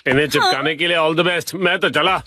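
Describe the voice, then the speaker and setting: A man's voice: a little high, normal speed, background noise, close to an everyday voice. A man voicing a henpecked salaryman father in a cartoon dub, stammering, evasive and grumbling. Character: flustered, henpecked salaryman dad. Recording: cartoon dub over loud music. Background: loud background music.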